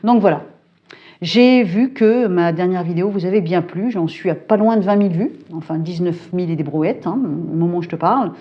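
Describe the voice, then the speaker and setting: Woman, middle-aged, colloquial chat, fillers, brisk, lowish voice, muffled lo-fi sound. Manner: chatty, colloquial, frequent filler tags and hesitations; brisk and self-described hyperactive. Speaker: psychic YouTuber. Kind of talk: casual talking-head chat. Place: home.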